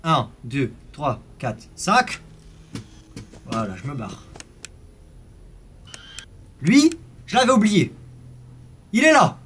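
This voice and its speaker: A young man commentating a horror game live, swinging from startled yells to hushed muttering, full of slang. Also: fairly high pitch, huge pitch swings, slow pace, long pauses, slight background noise. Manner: French street slang. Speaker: gaming youtuber.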